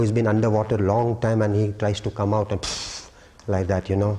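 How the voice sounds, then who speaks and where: A man's fairly low, monotone voice with flat intonation at a moderate pace, against noticeable background noise. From India. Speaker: merchant seaman; storyteller. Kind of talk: spiritual talk to a retreat audience. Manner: humorous.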